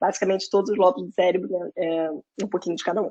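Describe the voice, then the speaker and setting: Her medium-pitched voice carrying fairly even intonation, a woman speaks. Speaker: neuroscience researcher. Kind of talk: lecture. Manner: fast.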